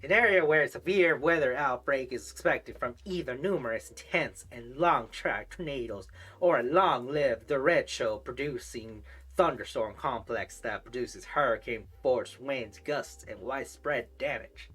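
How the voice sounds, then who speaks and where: A woman reading weather definitions aloud on a livestream, halting and correcting herself as she goes. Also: a bass voice, a bit bright, breathy edge. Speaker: streamer practicing reading.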